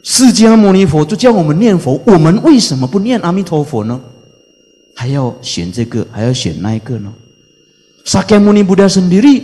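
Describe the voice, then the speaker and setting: Man preaching in an echoing hall. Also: on the high side. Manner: preaching, mixing in Mandarin chant phrases; emphatic rising exhortations, trailing off softly. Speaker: Buddhist monk teacher. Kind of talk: dharma talk. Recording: long reverb of a hall.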